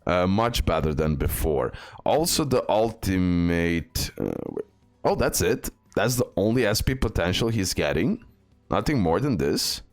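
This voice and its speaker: Brief: low-voiced male gaming host, casual reading of game stats with ums. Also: big pitch swings, unhurried, faint music behind. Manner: reads skill text aloud with fillers and restarts. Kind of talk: game tier list commentary.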